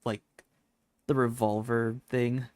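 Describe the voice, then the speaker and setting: A man giving casual, slangy, sweary commentary as he streams a game playthrough, musing out loud. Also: medium pitch, flat delivery, slow pace, no room sound. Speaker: gaming streamer.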